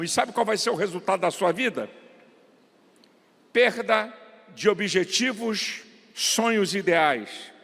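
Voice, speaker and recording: A middle-aged male pastor delivers a fiery sermon in a large church, his high, creaky voice leaping up and down in pitch. He shouts the peaks, drops into quiet low asides, and draws out words for weight, all ringing with a long hall reverb.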